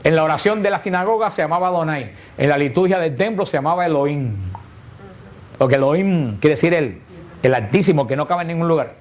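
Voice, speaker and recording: Higher-voiced man explaining catechesis. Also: a little fast. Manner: explanatory, asks rhetorical questions and answers them. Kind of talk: catechesis lesson to a group.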